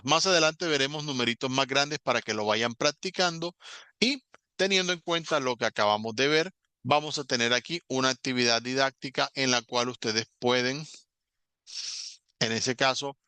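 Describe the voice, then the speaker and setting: A man teaching an online English class, patiently explaining step by step and saying English words slowly as examples. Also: mid-range voice, bright, forceful tone, clean tone, no echo.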